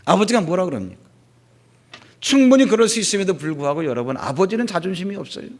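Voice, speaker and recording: A male pastor preaching a sermon, telling Bible stories in an animated way and acting out the scenes. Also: sits high, fast talker.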